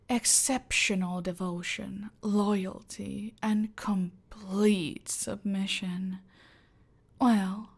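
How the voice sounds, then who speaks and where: A domineering female cartel boss, played by a woman in an ASMR roleplay, who delivers her threats in a soft, close whisper. Her voice is gravelly with vocal fry. She speaks slowly, dragging out every word to keep the listener under her control. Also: medium pitch, full character voice. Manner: slow, deliberate, menacing, controlling.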